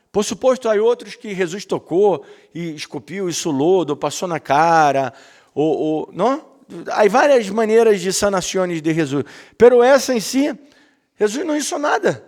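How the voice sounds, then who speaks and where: A man delivers a sermon, sliding freely into words. His voice sits a touch high. He keeps it conversational, ironic asides and constant questioning tags aimed at the listeners. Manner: mixes Portuguese and Spanish, ironic asides, rhetorical "não?" tags. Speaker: preacher.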